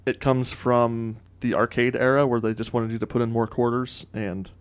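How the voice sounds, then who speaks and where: A man's voice: medium pitch, little pitch movement, normal speed, clear, resonant tone. A man co-hosting a gaming podcast, joking and self-deprecating in casual chat. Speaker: podcast co-host.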